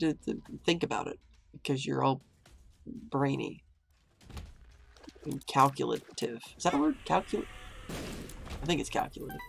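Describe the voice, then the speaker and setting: Faint music plays in the background as a soft-spoken man talks. He keeps a moderate pace with long, frequent pauses. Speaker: gaming youtuber; gaming video creator. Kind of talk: gameplay commentary; casual gameplay commentary. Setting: home recording room at night. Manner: casual. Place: home room. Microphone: studio mic.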